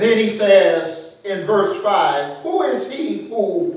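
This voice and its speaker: Strong room echo surrounds a man speaking at a very slow pace. His pitch swings very widely. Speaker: pastor. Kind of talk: sermon. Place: church.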